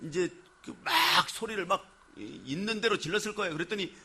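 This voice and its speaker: A male pastor preaching a sermon, telling the story with animated flair and putting questions to the congregation. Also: sits high, brisk, breathy edge.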